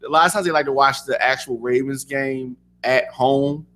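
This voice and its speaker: A man co-hosting a casual sports talk radio show, relaxed and easygoing, pausing often with ums. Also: medium pitch. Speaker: co-host.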